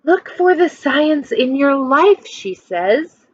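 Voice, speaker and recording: A woman's voice: high-pitched, big pitch swings, takes it slowly, highs cut off. A woman teacher reading a children's picture book aloud expressively, stopping to explain and put questions to young listeners.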